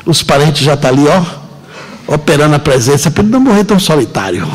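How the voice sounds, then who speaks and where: High, animated Brazilian man lecturing. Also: rough recording. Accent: Brazilian Portuguese. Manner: emphatic, joking, drawn-out dramatic pauses. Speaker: seminar lecturer. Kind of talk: lively lecture to a live audience. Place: auditorium.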